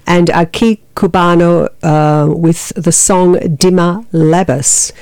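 A woman's voice: fairly low pitch, fairly even intonation, takes it slowly, a little mellow, clean tone, no echo, studio quality. A middle-aged woman hosting a community radio breakfast show, chatty and hesitant, with many fillers and restarts. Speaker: radio host. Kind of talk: community radio breakfast chat and news reading. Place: radio studio.

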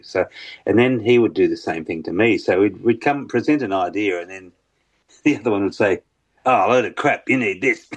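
In a relaxed interview conversation, a guest musician with a very deep bass voice talks haltingly. He leans heavily on fillers and often restarts what he's saying.

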